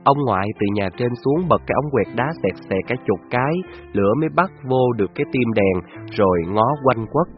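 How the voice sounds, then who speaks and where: A man, narrating a scripted story in a measured, descriptive way. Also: medium pitch, expressive, dull audio, soft background music.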